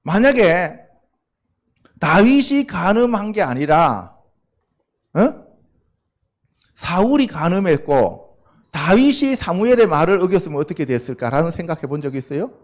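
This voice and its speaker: A man's voice: sits high, very animated, a little slow, pauses often. A male pastor preaching a sermon to a youth congregation in a loose, conversational way, often asking the listeners questions and answering them himself.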